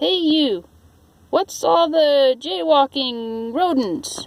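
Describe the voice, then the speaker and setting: A female-sounding, high-pitched put-on character voice talks at a very slow pace. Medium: read story.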